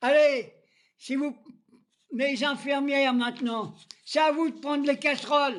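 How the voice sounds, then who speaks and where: A man speaks in an extremely high voice at a fairly slow pace. He leaves long, frequent pauses. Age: 80s+. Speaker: political vlogger. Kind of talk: political rant. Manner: animated.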